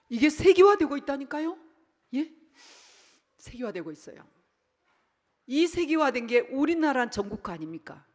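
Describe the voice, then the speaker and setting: A woman pastor delivering a Sunday sermon, swinging between loud, punchy bursts and hushed asides, and acting out family scenes in quoted voices. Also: on the high side. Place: church sanctuary. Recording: church hall with long reverb.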